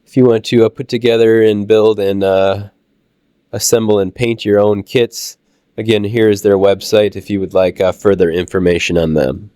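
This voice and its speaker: Midwest guy narrating train show stuff, kinda low voice, lots of uh's, getting over a cold, dry close mic. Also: no room sound. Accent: Midwestern American. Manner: relaxed, halting with many "uh" fillers. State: recovering from a cold. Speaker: channel host touring a train show. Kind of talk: casual walkthrough narration.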